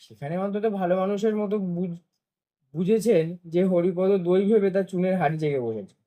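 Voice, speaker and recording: A man reads a children's story aloud in a lively, expressive manner. His voice sits notably high for a man. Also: moderate pace. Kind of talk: storybook narration.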